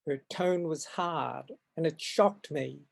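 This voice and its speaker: Older aussie guy in his 70s, gravelly, talks real slow, lots of ums and restarts, on a video call. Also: on the high side. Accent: Australian. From Far North Queensland, Australia. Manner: hesitant, halting, with frequent ums and restarts. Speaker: guest artist. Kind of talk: reflective storytelling in an interview. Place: at home.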